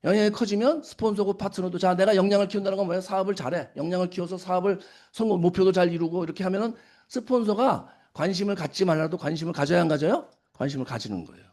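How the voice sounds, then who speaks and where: A man's voice: high-pitched, fast talker, darkish tone. A middle-aged man giving a seminar talk to an audience, often asking them questions and then answering them himself. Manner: acts out quoted scolding lines. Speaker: business seminar speaker. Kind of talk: lecture to an audience.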